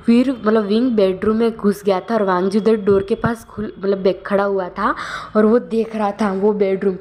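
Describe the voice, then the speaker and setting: A woman's voice: medium pitch, steady tone, moderate pace, a little mellow. A woman casually narrating a fan-fiction story, rambling with many filler words. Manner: loose retelling with frequent filler words.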